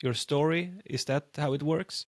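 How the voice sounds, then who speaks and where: A man's voice: a little high, moderate pace, no echo. A man hosting a podcast, asking interview questions hesitantly, with fillers and false starts. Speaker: podcast host. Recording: dry, close-miked.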